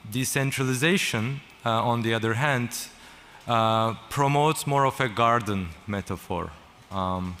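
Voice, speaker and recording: A man from Turkey speaking as a panel guest at a conference, slow and halting with many ums and restarts. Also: mid-range voice, pushed and bright. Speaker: panel guest, company founder. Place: conference stage. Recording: large hall with faint noise.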